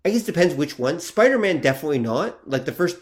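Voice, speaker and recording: A man's voice: on the high side, very animated, fast. A man co-hosting a podcast in casual chat, thinking aloud with hesitations and readily conceding points. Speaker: podcast co-host.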